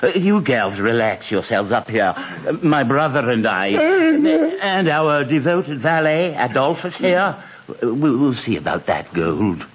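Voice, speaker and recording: An actor playing a sly, oily swindler in an old radio drama, with a grandiose, folksy, mock-solemn drawl. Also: male voice, mid-range voice, huge pitch swings, unhurried. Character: sly, oily male swindler posing as grieving English brother. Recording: dull old radio recording, audience noise.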